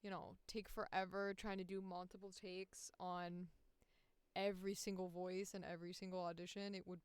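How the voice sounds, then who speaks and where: A woman's voice: fairly low pitch, flat delivery, moderate pace, clean tone, dry recording. A woman chatting casually on a livestream as a voice actor, with a slangy, profane and passionate way of talking. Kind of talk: casual livestream chat while working.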